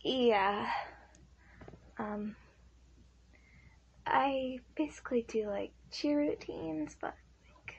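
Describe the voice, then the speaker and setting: A woman's voice: on the high side, drawn-out words, gravelly, pauses often, slightly rough, muffled recording, pitched above the performer's own voice, heavily acted. A woman voicing a shy, insecure teenage schoolgirl in an improvised ASMR roleplay, hesitant and apologetic. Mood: hesitant, self-conscious.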